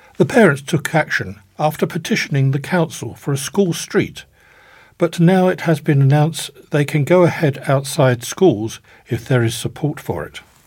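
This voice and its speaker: A man's somewhat breathy, fairly high voice with an English accent, at a moderate pace with ordinary pitch variation. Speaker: volunteer newsreader. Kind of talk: reading aloud. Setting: studio.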